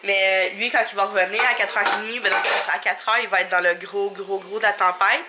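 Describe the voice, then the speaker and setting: Speaking briskly in a steady, mid-range voice over heavy background noise, this family vlogger is a woman in her thirties with a Québécois French accent. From her home kitchen she rambles chattily, slightly sniffly from a stuffy nose, with lots of fillers and small laughs.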